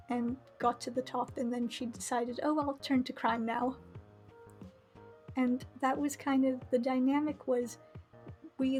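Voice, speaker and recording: A woman hosting a game livestream, chatting casually and thinking aloud in a musing, halting way. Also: a little high, a little mellow. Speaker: livestream host playing a visual novel. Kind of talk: casual livestream commentary and chat.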